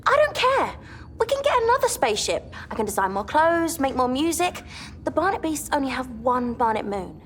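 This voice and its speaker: An actress in a children's TV comedy, speaking emphatically with a lively voice. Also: female voice, high voice, moderate pace, a little hiss or hum. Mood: defiant.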